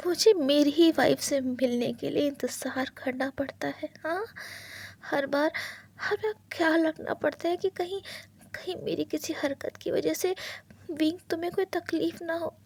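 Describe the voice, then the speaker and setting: A woman voicing an anguished young husband who fears being left, in whispered role-play, halting and pleading. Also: sits high, a little mellow. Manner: pleading, halting, repeats words. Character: anguished young husband, clingy and afraid of abandonment.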